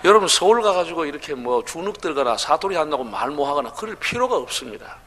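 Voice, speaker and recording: Gyeongsang-accented male pastor, fairly high and ringing, humorous folksy sermon, reverberant church hall. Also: sing-song, fast talker, fairly bright tone, a little hiss or hum. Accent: Gyeongsang Korean. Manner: humorous, chatty preaching with laughs to the crowd. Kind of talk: sermon at a revival meeting. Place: large church sanctuary.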